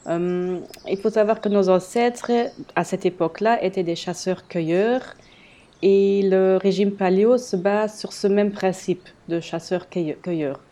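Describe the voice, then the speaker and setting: A woman in her late thirties hosts a casual solo podcast. She is a native German speaker with a German accent. Her voice is soft-edged, mellow and a little low, and she explains things somewhat haltingly. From German-speaking area, living in eastern Belgium near the German border. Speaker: podcast host and blogger.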